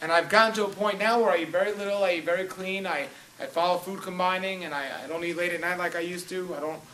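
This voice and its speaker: Talking very fast in a monotone with a New York accent, a man with a high pitch is heard through noticeable background noise and audible room echo. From US Northeast (New York City). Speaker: raw food author and speaker. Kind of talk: public talk to live audience.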